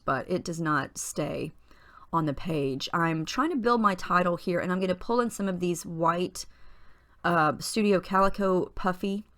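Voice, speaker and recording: Woman with a husky morning voice, narrating crafts. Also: on the low side. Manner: chatty and relaxed, with small fillers and restarts. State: husky morning voice, clearing her throat. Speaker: scrapbooking tutorial host. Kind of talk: casual voice-over narration of a craft process.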